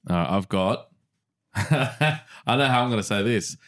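A man's voice: fairly low pitch, expressive, a little slow, a bit bright, dry recording, clean studio sound. A man co-hosting a podcast, bantering with jokes and swearing in casual chat. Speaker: podcast co-host.

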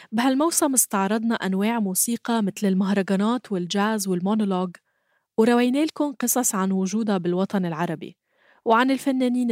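A woman hosting a podcast, narrating from a script in a calm, explanatory way. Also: mid-range voice, dry recording, clean studio sound. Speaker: podcast host.

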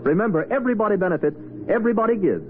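A man's voice: high-pitched, animated, rapid-fire. An American man working as a radio announcer, reading scripted copy in a polished, formal 1940s style. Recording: tinny, hissy 1940s radio recording.

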